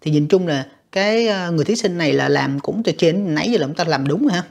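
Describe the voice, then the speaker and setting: A woman with a lowish, slightly husky voice walks through an exam as a teacher. She speaks patiently, repeating herself and filling pauses as she explains each answer. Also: expressive, a little mellow. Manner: patient, repeats words, frequent fillers. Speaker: English teacher. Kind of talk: exam walkthrough lesson.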